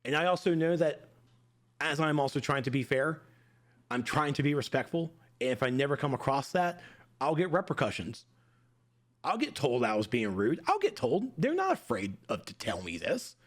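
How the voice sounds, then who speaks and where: A man's voice: medium pitch, very animated, normal speed. A man in his forties, a gaming streamer, giving a heated, emphatic opinion rant straight to his viewers. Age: 40s.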